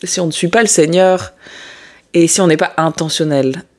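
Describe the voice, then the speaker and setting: The speaker is a woman. Her pitch is fairly low. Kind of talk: casual devotional talk with scripture reading. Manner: hesitant, many fillers.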